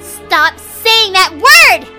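A creepy possessed child with a high, bright, wildly swinging voice. The demon is taunting, petulant and menacing, in the manner of horror audio drama. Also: female voice, animated, slow pace, faint music behind, heavily acted. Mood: shrieking, petulant.

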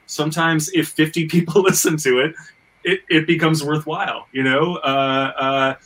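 Bright-voiced man, rambling, off-mic. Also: fairly high pitch, fairly even intonation, normal speed, distant mic. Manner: rambling, stammering, repeats words as he thinks. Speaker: podcast co-host. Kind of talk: casual conversation about making independent comics and audio.

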